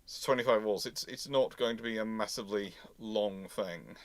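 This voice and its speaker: A man's voice: on the low side, moderate pace, dry recording. A man hosting an unscripted live history question-and-answer session, talking discursively and correcting himself as he thinks aloud. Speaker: naval history host answering audience questions.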